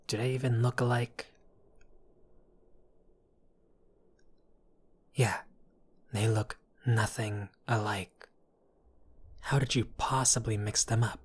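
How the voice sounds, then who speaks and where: A man's voice: lowish voice, husky. A man playing a chatty, apologetic mafia boss in an audio roleplay, talking to the listener in a wry, exasperated, placating way. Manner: conversational, wry, placating, theatrical asides.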